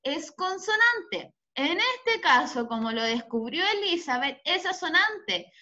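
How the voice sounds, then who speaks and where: A woman's voice: very high-pitched, big pitch swings, slow, pushed and bright. A woman teaching a class over a video call, patiently quizzing her students. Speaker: schoolteacher. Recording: muffled video-call audio.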